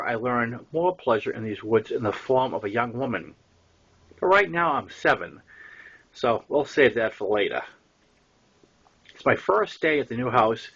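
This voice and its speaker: An older man with a Boston accent and a husky voice, reading his own first-person story as an audiobook narration. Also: mid-range voice, fairly bright tone, highs cut off.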